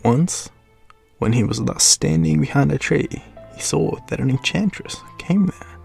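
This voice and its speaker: An Australian man narrates a storybook in a dramatic, unhurried way. His voice is very gravelly and husky, often sinking into a hush, with soft music behind it. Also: a little high.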